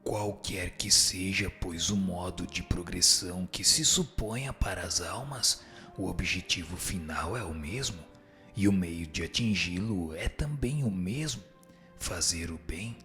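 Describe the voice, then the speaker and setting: A man playing a wise, solemn spirit teacher in a radio drama, speaking in a measured, instructive way. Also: sits low, lively intonation, bright, forceful tone, full character voice. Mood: solemn teaching. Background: music behind the voice.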